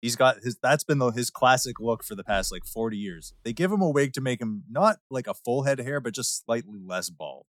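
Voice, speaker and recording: A man's voice: mid-range voice, animated, brisk, few pauses, dry recording, studio quality. A man co-hosting a movie podcast, commenting with easygoing amusement. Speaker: podcast co-host. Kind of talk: casual movie review chat.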